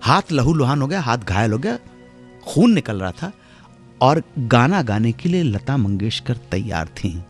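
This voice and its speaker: Brief: middle-aged male radio host, theatrical storyteller, very lively pitch, faint music bed. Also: unhurried. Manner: dramatic, swings from hushed to loud exclamations.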